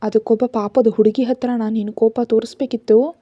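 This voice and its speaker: A woman's voice: a little high, level tone, brisk, no echo, dull audio, close to an everyday voice. A woman voicing a scolding, protective big brother. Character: caring young man, protective older brother.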